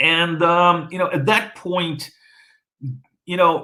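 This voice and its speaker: This voice has a bright, sharp tone and a Russian accent. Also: man. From Soviet Union. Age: 40s. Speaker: business executive. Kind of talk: interview. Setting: live video call. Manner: halting, many fillers.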